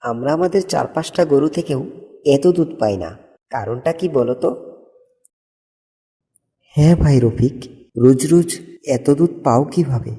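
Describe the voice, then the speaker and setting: A man's voice: medium pitch, animated, normal speed, long pauses, mellow, lightly acted. A man voicing a jealous, scheming village milk seller in a cartoon, nosy and insinuating, with long reverb. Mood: nosy, envious. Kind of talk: cartoon story dialogue.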